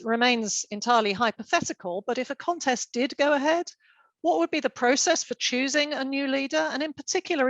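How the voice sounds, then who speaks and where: A woman's voice: fairly high pitch, a bit bright, no echo. A woman chairing an online panel event, giving formal, orderly introductions over a video call.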